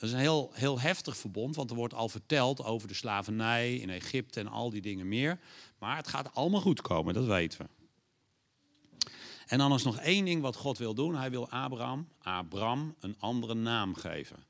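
A man preaching a sermon, lively and animated, acting out God's lines in a raised voice and putting questions to the audience. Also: mid-range voice, normal speed, vocal fry.

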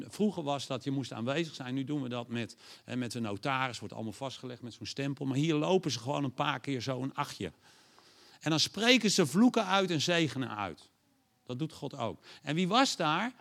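Man preaching, gravelly voice, animated delivery, booming quoted lines, asks the crowd questions. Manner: animated, acts out God's lines with loud raised voice. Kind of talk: sermon.

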